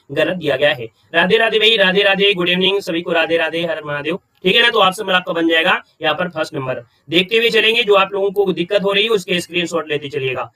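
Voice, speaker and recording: A man teaching Hindi grammar in a live-streamed quiz class. He is brisk, keeps checking in with "right?" and greets viewers from the chat mid-lesson. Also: sits high, sharp tone.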